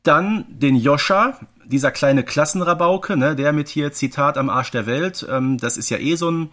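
A man's voice: on the high side, moderate pace, fairly bright tone. A man from the Ruhr area co-hosting a podcast, giving informative commentary in a chatty way with frequent question tags. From Ruhr area, Germany. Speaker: podcast co-host.

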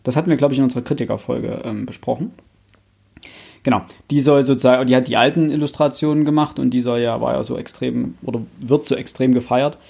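A man's voice: medium pitch, steady tone, fast, vocal fry, a little mellow, breathy edge. A young man hosting a casual book discussion, thinking aloud in a hesitant, self-correcting way. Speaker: podcast host.

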